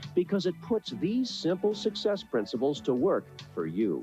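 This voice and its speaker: A man with an upbeat, enthusiastic tone uses very wide pitch swings over music in the background. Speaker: infomercial host. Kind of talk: infomercial presentation.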